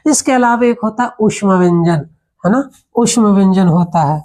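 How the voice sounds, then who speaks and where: A woman teaching a grammar lesson, explaining with rhetorical questions and homely examples, then reciting letters slowly and carefully. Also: mid-range voice, animated, dark tone.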